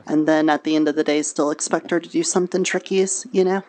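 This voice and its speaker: Woman doing a friendly fantasy tailor lady, lowish voice, chatty n kinda cutesy, roleplay game talk. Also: fairly even intonation, fast, a little mellow, close to an everyday voice. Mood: wary, confiding. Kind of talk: improvised fantasy roleplay in casual conversation.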